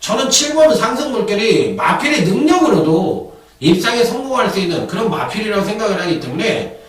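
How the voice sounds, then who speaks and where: Animated male racing tipster, echoey room. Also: brisk, far from the mic. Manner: animated, lively pitch swings, chatty asides. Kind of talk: racing tips commentary.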